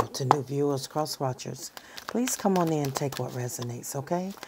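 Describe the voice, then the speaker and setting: Very deep, low pitch from a woman at a moderate pace, with ordinary pitch variation and noticeable background noise. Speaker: tarot reader. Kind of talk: tarot reading. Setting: recording at night. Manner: calm; hesitant, many fillers.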